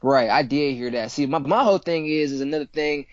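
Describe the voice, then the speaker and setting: A man's voice: on the high side, brisk, no echo, lo-fi sound. A man in his twenties from Cleveland, chatting casually as a guest in slangy, repeating speech. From Cleveland, Ohio. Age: 20s. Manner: laid-back, slangy, repeats himself. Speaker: guest rapper. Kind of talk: casual interview chat.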